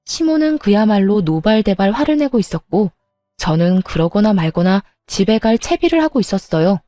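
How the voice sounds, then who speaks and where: Woman storyteller, defiant and sharp, mellow dark tone, dry close sound. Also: medium pitch, very animated, normal speed, no echo, soft background music. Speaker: storyteller narrating as daughter-in-law. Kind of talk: dramatized first-person story narration.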